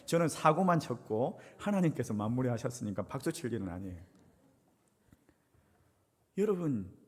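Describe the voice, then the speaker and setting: Animated Korean pastor in a reverberant sanctuary. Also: male voice, medium pitch, brisk. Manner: animated storytelling, acts out quoted people. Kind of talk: sermon with personal story. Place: church sanctuary. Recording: long reverb of a church hall.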